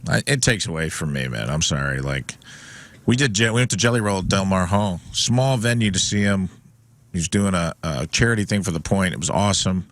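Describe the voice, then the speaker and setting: A man co-hosts a radio chat, telling a story with emphatic energy. His voice sits very low, and the studio sound is dry and close. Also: a little fast, fairly bright tone, dry recording. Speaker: radio show co-host.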